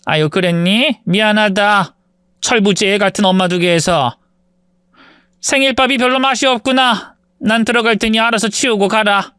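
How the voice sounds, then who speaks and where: A man's voice: high-pitched, steady tone, moderate pace, sharp tone, clean tone, dry recording, clean studio sound, pitched above the performer's own voice. A man voicing a spiteful middle-aged mother-in-law who scolds and sneers at her daughter-in-law. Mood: scornful. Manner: sarcastic, scolding.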